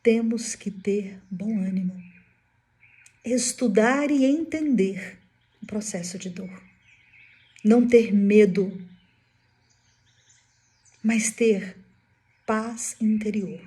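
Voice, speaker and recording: A woman giving a spiritist devotional talk, telling a story dramatically with sudden hushed drops. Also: medium pitch, slow, long pauses. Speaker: spiritist speaker.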